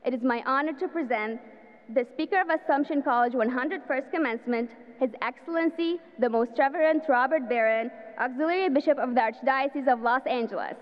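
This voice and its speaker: A young woman reads a prepared introduction at a podium, her high voice ringing through a large hall. Her delivery is careful and formal. The sound is slightly muffled. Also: brisk. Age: young adult. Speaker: student introducing the speaker. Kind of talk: read-aloud introduction. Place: large indoor arena. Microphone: podium microphone. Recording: dull sound with long hall reverb.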